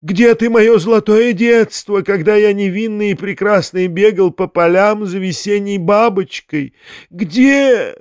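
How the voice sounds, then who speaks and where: A man reading a hysterical, self-pitying man who declaims in slow, wailing outbursts. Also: sits high, clean tone, no room sound, studio quality, voice pushed up. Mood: anguished.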